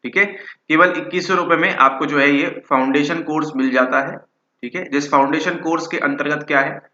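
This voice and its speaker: Man, psychology teacher, course pitch, tense bright voice, roomy dull recording. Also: fairly even intonation, fairly quick. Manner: keeps adding "ठीक है" and "है ना"; mixes English words into Hindi. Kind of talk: course promotion talk.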